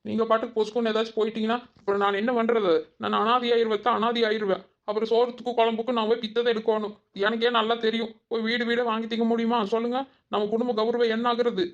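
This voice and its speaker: A woman's voice: medium pitch, steady tone, quick pace, muffled recording, lightly acted. A woman voicing a lazy, cheeky young village daughter-in-law in a cartoon, dodging cooking with sly excuses. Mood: pleading. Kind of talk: village cartoon comedy acting.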